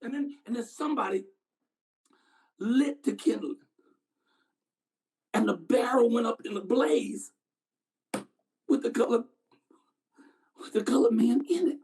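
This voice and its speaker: A man acts out a haunted Southern man in a dramatic stage monologue. He recalls a boyhood horror haltingly, stammering over words, and his pitch swings widely between low and high. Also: animated, a little mellow, exaggerated voice, poor audio. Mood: horrified.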